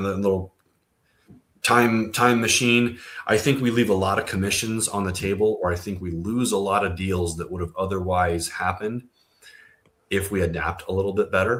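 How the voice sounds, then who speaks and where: A plain, everyday voice at a moderate pace with fairly even intonation, on a very clean recording with a silent background. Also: man. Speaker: real estate trainer. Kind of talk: training presentation.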